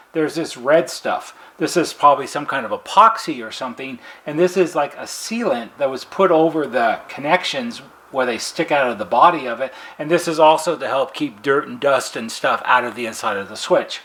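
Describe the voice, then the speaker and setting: A man's voice: mid-range voice, lively intonation, moderate pace, sharp tone. A man presenting a casual hands-on repair demonstration as a technician, explaining things in a plain-spoken, methodical way.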